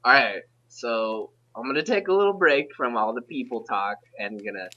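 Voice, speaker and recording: Young male podcast host, bright and forceful tone, rambling casual delivery, dull lo-fi audio. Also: medium pitch, expressive. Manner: rambling, halting restarts. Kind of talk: casual chat.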